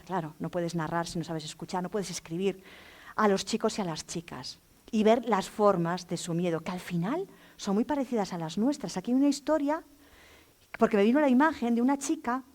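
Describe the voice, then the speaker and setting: A middle-aged woman giving an animated, anecdotal talk as a storyteller, acting out voices as she tells it. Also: mid-range voice. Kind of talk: lively anecdotal lecture. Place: lecture hall.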